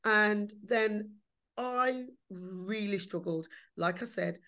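A woman's voice: mid-range voice, slow, a bit bright. A woman with a Black Country accent talks casually as an interview guest, emphatically repeating words for stress. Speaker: podcast guest, performer and writer.

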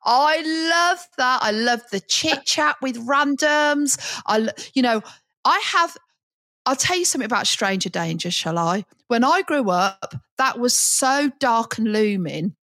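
A middle-aged woman, co-hosting a podcast and telling a lively anecdote with frequent laughter. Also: fairly high pitch, measured pace, no echo. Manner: lively storyteller, chatty, laughs often. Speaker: podcast co-host, teacher trainer. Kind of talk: casual chat, anecdote.

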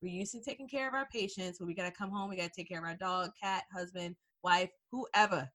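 A woman's voice: lowish voice, fast talker. A woman hosting a podcast, chatting casually and enthusiastically with her guest. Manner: enthusiastic, gets excited and laughs. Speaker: podcast host and hygienist coach. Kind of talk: casual podcast interview chat.

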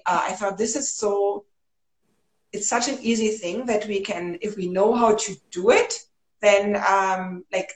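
A woman hosting a podcast, eager and chatty, often stopping and restarting her sentences. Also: mid-range voice. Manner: enthusiastic, halting with fillers and restarts. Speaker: podcast host, brand coach. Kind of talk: casual interview talk. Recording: roomy echo.

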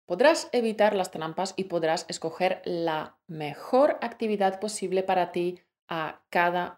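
Clear-spoken woman teaching podcast lesson. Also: mid-range voice, darkish tone. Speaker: co-host of a Spanish-learning podcast.

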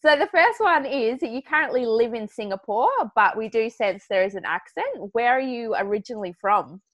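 A woman's voice: a little high, animated, brisk. A woman co-hosting a podcast, bubbly and teasing as she puts questions to her guest. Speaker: podcast co-host. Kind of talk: casual interview chat.

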